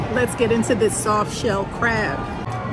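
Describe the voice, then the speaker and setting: A woman speaks with crowd noise in the background. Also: dry sound with no echo. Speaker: travel vlogger. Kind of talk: casual vlog chat. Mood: relaxed, upbeat. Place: street. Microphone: phone near.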